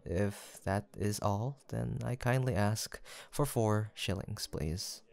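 Speaking politely and formally, a man portrays a young village apothecary, gentle and kind, reassuring attentively in a soft roleplay audio drama. The voice is lowish and creaky, moving at a slow pace. Warmth and courtesy define his mood.

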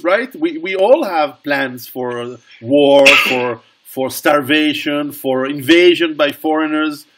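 A man's voice: on the high side, fairly bright tone, breathy edge. A middle-aged man speaking as a guest author over a video call, earnest, often restarting and repeating words.

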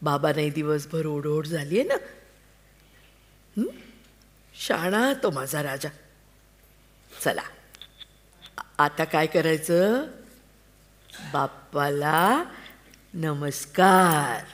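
Woman voicing a worried wife on stage, slow coaxing voice, pleads with her husband and soothes her kid. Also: sits low, animated. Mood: tender. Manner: pleading, coaxing, tender with a child. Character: anxious devoted wife and mother, middle-aged. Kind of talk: staged play reading.

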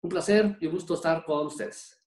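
A man's voice: a little high, normal speed, a little mellow. Hesitant man, echoey room. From Mexico. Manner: hesitant, many fillers. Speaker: government official presenting. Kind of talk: formal presentation.

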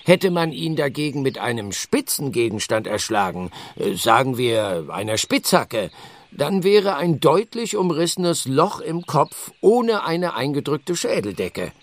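An actor playing a blunt, sardonic village doctor in a German radio play, dry and explanatory. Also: male voice, medium pitch, very animated, unhurried. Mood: matter-of-fact.

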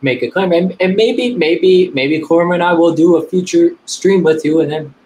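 Young man, halting, full of likes. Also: a little high, a little mellow, low-quality recording. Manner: halting, full of "like" and repeated words. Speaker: debate guest. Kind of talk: casual debate on a video call. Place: small room indoors.

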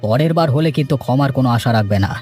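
A man playing a stern, righteous village gentleman in a cartoon moral story, speaking with reassuring authority. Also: mid-range voice, very fast, soft background music, lightly acted. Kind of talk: Bengali moral cartoon dubbing.

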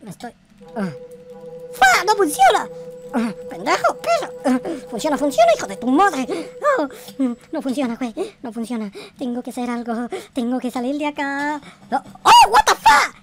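Female game streamer, highish and swooping in pitch, dramatic, foul-mouthed roleplay commentary. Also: huge pitch swings, normal speed, faint music behind. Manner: theatrical, exclamatory, slangy and profane. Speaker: gaming video creator and host. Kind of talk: excitable Minecraft roleplay commentary.

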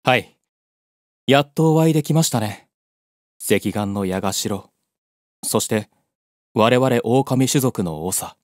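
A man's voice: medium pitch, animated, slow pace, long pauses, no room sound, studio quality. A man playing a determined white-wolf beastman in an audio drama, formal and earnest. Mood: respectful, solemn.

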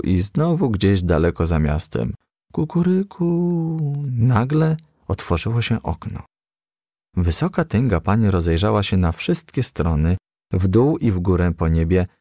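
A man narrating a children's storybook as a gentle, lively storyteller. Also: low-pitched, dry recording, studio quality.

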